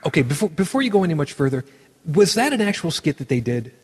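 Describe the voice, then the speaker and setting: A man hosting a casual podcast chat, talking with animated enthusiasm and frequent restarts. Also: on the high side, fast, husky, long reverb tail. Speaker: podcast host.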